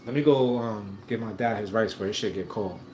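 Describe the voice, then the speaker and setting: A man's voice: lowish voice, a little fast, a little mellow. A man hosting a casual livestream from home, reading viewer comments in a laid-back, slangy way and chuckling often. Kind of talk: casual live chat. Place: room at home. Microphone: streaming setup. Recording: echoey room, faint noise.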